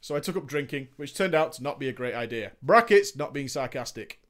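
A man's voice: mid-range voice, animated, fairly quick, a bit bright. A man reading a gaming story aloud, breaking off for sarcastic comic asides and frequent laughter. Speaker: story reader.

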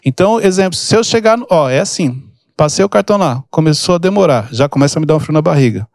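A man's voice: on the high side, expressive, fast talker, gravelly, darkish tone, no echo, studio quality. A man hosting a podcast, explaining emotional triggers through casual stories and acting out the people in them. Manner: storytelling, acts out quoted people. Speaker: podcast host and mentor. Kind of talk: casual teaching chat.

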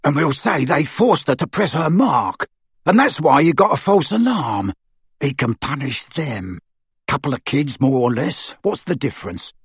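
A man's voice: a little high, sing-song, measured pace, husky, no room sound, heavily acted. Man doing a coarse bellowing male thug. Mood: crafty. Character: brutish coarse male henchman, bullying and crude.

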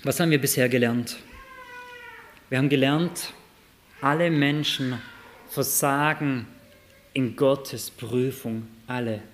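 A man preaching a sermon, reading Bible verses aloud and asking lively rhetorical questions, moving between loud and soft passages. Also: medium pitch, takes it slowly, long pauses, a little hiss or hum.

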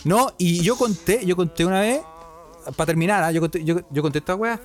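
A man's voice: high voice, brisk, soft background music. A young man with a Chilean accent, co-hosting a casual podcast and telling an anecdote with lots of slang, acting out the voices of people in it. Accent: Chilean Spanish. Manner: animated, acts out voices in anecdotes, heavy slang, frequent laughs. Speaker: podcast co-host. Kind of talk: casual storytelling chat.

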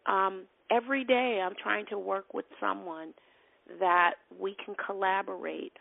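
A woman's voice: medium pitch, steady tone, a little slow, creaky, no echo. A middle-aged woman from Boston with a Boston accent, an earnest nonprofit leader answering interview questions, repeating and restarting her phrases as she speaks. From Boston, USA. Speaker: nonprofit president, guest. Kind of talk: interview conversation. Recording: tinny phone-like line.

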